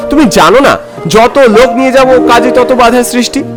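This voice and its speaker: A man voicing a confident, dismissive veteran film director with a brisk, commanding manner in an animated horror story. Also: very high-pitched, over music, voice pushed up. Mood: amused, dismissive.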